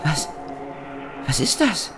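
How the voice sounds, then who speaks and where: A woman playing a frightened, irritable captive in a horror radio play, halting and indignant. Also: deep voice, big pitch swings, background noise, exaggerated voice. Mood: anxious. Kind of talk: German horror audio drama acting.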